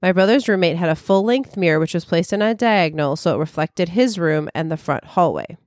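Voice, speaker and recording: A woman's voice: lowish voice, animated, a little fast, darkish tone, dry recording, clean studio sound. A woman co-hosting a podcast, chatting casually and reading a listener's story aloud with frequent restarts. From Chicago. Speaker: podcast co-host.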